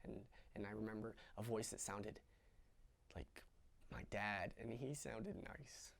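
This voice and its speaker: A man's voice: lowish voice, measured pace, creaky, exaggerated voice. A young male actor playing a young man who recounts a traumatic childhood in a dramatic stage monologue, raw and confessional. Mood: quiet recollection. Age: young adult. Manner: raw and confessional, swinging between hushed recollection and sobbing screams.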